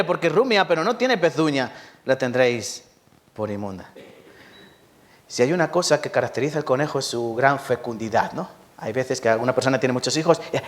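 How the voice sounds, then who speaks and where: A man from Spain with a Spanish accent, preaching a lively Sunday sermon in church, repeating words for emphasis and often asking the congregation questions. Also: on the high side. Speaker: pastor.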